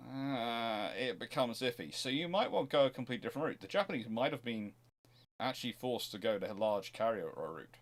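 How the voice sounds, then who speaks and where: A man with a medium, slightly bright voice hosts an informal expert Q&A, answering viewers' history questions. He is discursive, thinking aloud and frequently breaking off to rephrase his sentences.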